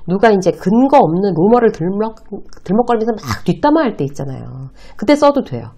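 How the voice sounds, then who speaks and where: A middle-aged woman gives a lively video lecture on workplace communication, speaking straight to her viewers and acting out the lines she quotes. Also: mid-range voice, a little fast, breathy edge. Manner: animated, addresses viewers directly and acts out quoted lines.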